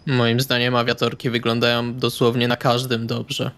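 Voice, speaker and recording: A man's voice: medium pitch, completely flat delivery, moderate pace, a bit bright. A man playing in a tabletop role-playing game, in casual in-character banter.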